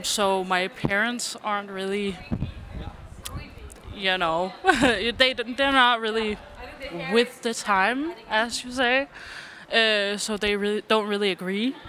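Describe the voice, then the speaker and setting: A street interviewee speaking hesitantly, with many fillers and pauses. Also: medium pitch, bright, forceful tone.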